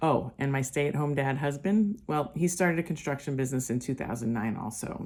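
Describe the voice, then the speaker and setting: A woman talks fairly quickly in an American accent with lively intonation. Her pitch is very deep and low. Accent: New Jersey (occasional). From New Jersey. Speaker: executive resume writer. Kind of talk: personal story reading.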